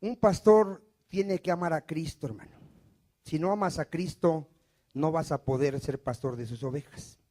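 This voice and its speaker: A man with a high voice preaches a sermon in church, questioning his listeners and answering himself. His delivery swings between loud, emphatic lines and quiet, falling endings. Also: moderate pace. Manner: call-and-response preaching, asks questions and answers them himself. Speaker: pastor.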